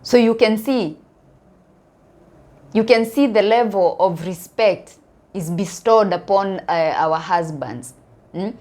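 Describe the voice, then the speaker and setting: A woman from Kenya with a Kenyan accent, talking casually to viewers about her opinions in a halting way, repeating words for emphasis. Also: mid-range voice, mellow. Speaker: online video commentator.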